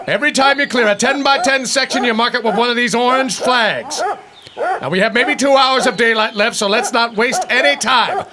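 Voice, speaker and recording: Bossy, high-pitched police captain. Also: male voice, normal speed, over a noisy crowd. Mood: barking orders. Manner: brusque, commanding. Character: gruff, bossy male small-town police captain. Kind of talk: horror audio drama acting.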